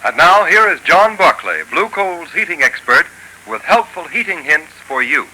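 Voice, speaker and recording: A man's voice: a little high, big pitch swings, normal speed, background noise. A man announcing a 1930s radio program, with a formal, declamatory delivery. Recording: old radio broadcast.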